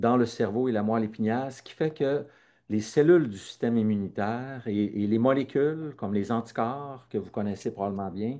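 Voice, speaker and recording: In a Saguenay accent, a dark, mellow voice moves at a moderate pace with ordinary pitch variation against a quiet background. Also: man. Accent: Saguenay Quebec French. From Quebec, Saguenay. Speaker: neuroscience researcher. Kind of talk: lecture. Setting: webinar video call. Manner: halting, many filler sounds.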